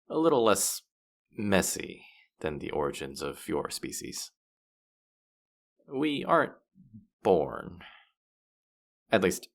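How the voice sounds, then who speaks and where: A man's voice: deep voice, vocal fry, heavily acted. A man playing a boastful, teasing demon who guides souls through the afterlife, playful and smug in a fantasy audio roleplay. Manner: playful, smug, mock-offended, hesitating mid-thought. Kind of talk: scripted character audio roleplay addressed to the listener.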